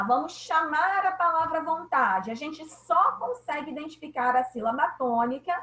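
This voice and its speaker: A Brazilian woman teaching a class over a video call, her voice high and her pace unhurried. She explains patiently and keeps checking that students follow. The sound carries the echo of the room she is in. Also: a bit bright. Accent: Brazilian Portuguese. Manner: slow, patient, checks understanding often. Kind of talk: online class lecture.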